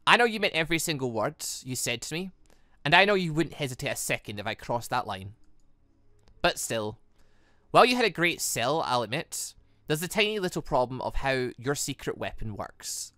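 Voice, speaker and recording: A man's voice: mid-range voice, big pitch swings, moderate pace, sharp tone, dry recording, studio quality. A man voicing a menacing, calculating female villain from a visual novel, with a taunting, controlled delivery. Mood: smug, probing. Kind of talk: reading game dialogue aloud.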